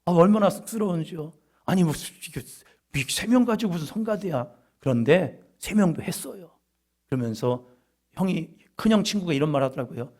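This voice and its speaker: Korean pastor preaching with loud bursts. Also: male voice, high voice, normal speed. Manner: animated preaching, bursts of loud emphasis on key words; storytelling with humorous asides. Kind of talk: sermon.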